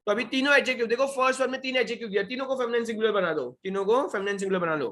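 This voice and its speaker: A man's voice: very high-pitched, very fast, fairly bright tone. A young man with an Indian accent teaching a French revision class, quizzing students and repeating key points. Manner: questioning, repeats key points, mixes Hindi and English. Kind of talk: online revision lesson.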